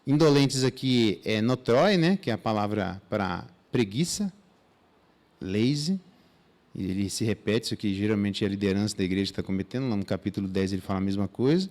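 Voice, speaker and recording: A man with a Brazilian Portuguese accent, a pastor teaching through a Bible passage in a church, casual and animated, with slang asides and mock dialogues. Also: on the low side, brisk.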